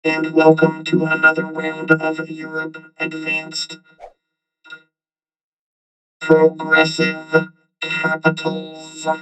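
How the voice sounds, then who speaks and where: A man's voice: a little high, completely flat delivery, drawn-out words, pauses often, distant mic, over music, low-quality recording. A man speaking through a robotic vocoder effect, playing a droning robot announcer for his game stream. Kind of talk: slow monotone robot announcing.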